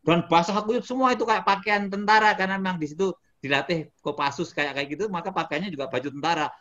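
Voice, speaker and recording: A middle-aged man from Indonesia, a motivational speaker telling a story in a casual interview, animated and breaking into sudden shouts. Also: high voice, fast talker, dull audio.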